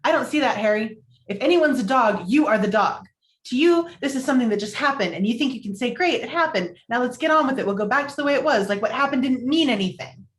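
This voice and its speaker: A woman's voice: on the high side, expressive, quick pace, echoey room, close to an everyday voice. A woman playing a hurt, angry lover in a table read of a romantic comedy, with clipped, indignant retorts. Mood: furious.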